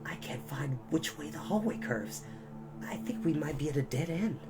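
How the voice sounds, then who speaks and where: A man plays a worried young orphan boy in a storybook. He sounds grim and matter-of-fact, with music clearly playing underneath. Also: fairly high pitch, lively intonation, normal speed, natural voice.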